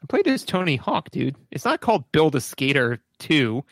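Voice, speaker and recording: A man co-hosting a podcast, sarcastic and jokey in casual chat, sometimes jumping into a high silly voice to act out lines. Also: sing-song, moderate pace, fairly bright tone, dry recording. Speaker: podcast co-host. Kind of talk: casual chat about a video game.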